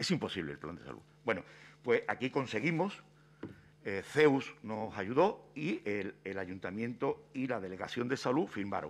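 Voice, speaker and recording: A man with an Andalusian accent talks at a fairly slow pace, his pitch swinging very widely. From Cádiz, Andalusia, Spain; Andalusia, Spain. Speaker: hospital doctor, health activist; speaker. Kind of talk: conference talk. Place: meeting room. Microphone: podium.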